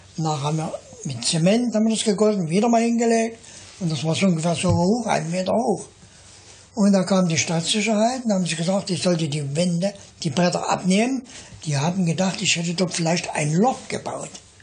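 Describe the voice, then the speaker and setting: Over noticeable background noise, a man with a high-pitched voice talks at a fairly quick pace. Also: ordinary pitch variation. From Germany. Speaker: Gulag survivor, contemporary witness. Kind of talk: interview answer.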